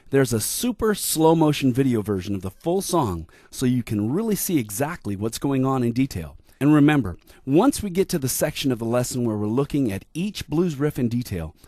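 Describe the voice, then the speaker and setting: Man, voice-over narrator, lively intonation, mellow tone, dry close sound. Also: mid-range voice, no room sound. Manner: upbeat, promotional. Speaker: lesson narrator.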